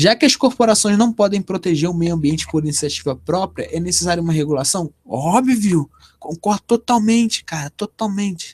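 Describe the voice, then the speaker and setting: A man speaks at a high pitch and a fairly quick pace, with lively intonation. The recording is very clean with a silent background, dry and close with no echo. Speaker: political YouTuber. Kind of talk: casual commentary answering a quiz. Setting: live video stream. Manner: fast; halting, repeats words.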